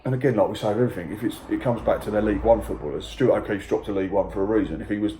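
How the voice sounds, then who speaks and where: A man hosting a casual football podcast, chatty and teasing, with quick asides. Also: on the low side, warm tone, a little hiss or hum. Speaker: podcast host. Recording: echoey room.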